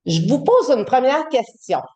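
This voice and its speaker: A middle-aged woman with a Québécois French accent teaches a university class, chatty and full of fillers and restarts. Her voice is mellow and relaxed. The room around her is echoey. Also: high voice, unhurried. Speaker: guest lecturer. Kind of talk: classroom lecture.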